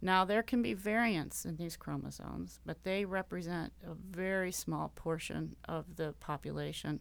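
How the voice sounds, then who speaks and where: The voice has an American accent and a fairly slow pace. The recording is very clean, with a silent background. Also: woman. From Pennsylvania, Pittsburgh. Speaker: medical research professor. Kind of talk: interview.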